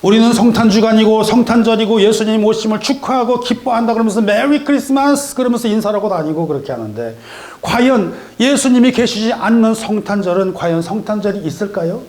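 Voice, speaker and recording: A man's voice: sits high, fast talker, a little mellow. A middle-aged man preaching a sermon in a church, telling a story and acting out its dialogue in voices. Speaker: pastor. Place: church sanctuary.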